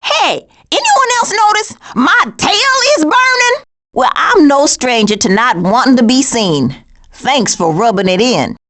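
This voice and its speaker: Sassy, high-pitched American cartoon skunk. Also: female voice, very animated, measured pace, fairly bright tone, exaggerated voice. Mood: excited, urgent. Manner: sassy, sardonic, folksy. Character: sassy, cranky female cartoon skunk, streetwise and dry-witted. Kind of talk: animated video game voice acting.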